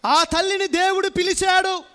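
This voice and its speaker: A man's voice: extremely high pitch, fairly even intonation, bright, forceful tone. A male priest preaching a sermon in church, drawing answers from the congregation and stretching out key words for emphasis. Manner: call-and-response with congregation; emphatic, drawn-out stressed words. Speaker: Catholic priest.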